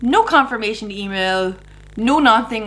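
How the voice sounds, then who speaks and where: A woman with an Irish accent, animated and at a moderate pace, with music in the background. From Ireland. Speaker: beauty YouTuber. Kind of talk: makeup tutorial, casual chat to camera.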